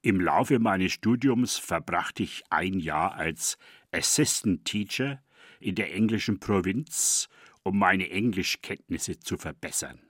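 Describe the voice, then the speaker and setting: A man, a dialect poet reading a personal radio essay in a measured, deliberate way. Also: deep voice, fairly bright tone, husky, dry recording, clean studio sound. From Franconia, Germany. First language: East Franconian dialect.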